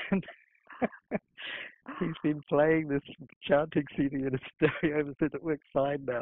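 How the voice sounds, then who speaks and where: Speaking with a New Zealand accent, a man with a fairly high pitch talks at a moderate pace in a monotone, flat intonation, with long, frequent pauses. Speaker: yoga monk and meditation instructor. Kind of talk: interview answer. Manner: casual storytelling.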